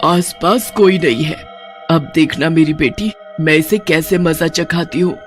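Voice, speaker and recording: A vengeful bald witch from a spooky cartoon, threatening and snarling, voiced by a woman. Her voice sits a little lower than the narrator's plain voice. Faint music plays underneath. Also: a little slow. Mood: scheming.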